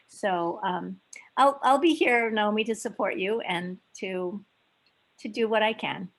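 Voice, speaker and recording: An older woman from Hawaii, speaking in a meeting with many pauses, ums and restarts. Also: medium pitch, fairly bright tone. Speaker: club member at a video meeting. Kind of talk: hesitant casual remarks.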